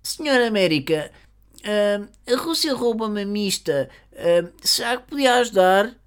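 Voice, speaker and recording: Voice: mid-range voice, expressive, unhurried, clean tone, pitched above the performer's own voice, close to an everyday voice. A comedian voicing a timid, bullied schoolkid who hesitantly pleads for help. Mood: timid pleading.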